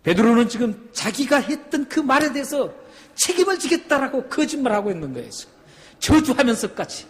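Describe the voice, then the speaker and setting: A man preaching a sermon as a pastor, emphatic and rising to loud peaks, often putting questions to the congregation. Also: very high-pitched, big pitch swings, a little fast. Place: church sanctuary. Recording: long hall reverb.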